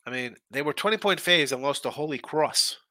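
A man's voice: fairly high pitch, lively intonation, brisk, sharp tone, no echo. Congested, stuffy-nosed male betting host. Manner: chatty and loose, with frequent restarts and asides. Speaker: sports betting show host. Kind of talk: casual live-stream chat reading viewer comments.

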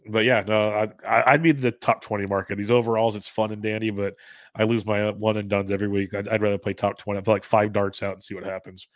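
A man's voice: lowish voice, level tone, fast talker, no echo. A man co-hosting a casual sports podcast, talking loosely while sick. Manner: loose, rambling, chuckles often. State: sick, under the weather. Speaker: podcast co-host. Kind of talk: casual sports betting chat.

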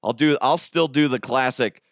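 A man's voice: mid-range voice, normal speed, no echo, studio quality. A middle-aged man hosting a podcast as a casual, jokey solo monologue with crude humor. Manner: jokey, crude, acts out imagined exchanges. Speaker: podcast host.

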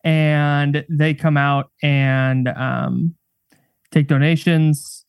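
A man guesting on a sports podcast, chatting casually with dry, deadpan teasing. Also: fairly high pitch, very slow, creaky, clear, resonant tone, dry recording. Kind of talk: casual chat.

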